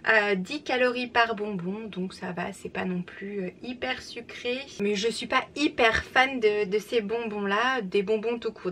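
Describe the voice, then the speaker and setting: A woman's voice: medium pitch, fairly bright tone. A young woman chatting enthusiastically as she unboxes a book subscription box, with frequent fillers. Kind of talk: casual unboxing chat. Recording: slightly distant mic, faint room noise.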